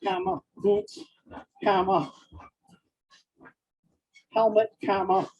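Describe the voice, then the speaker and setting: A husky, gravelly mid-range voice, a little mellow and full of big pitch swings, dictates story prose in short, halting phrases while saying each punctuation mark. The audio sounds dull.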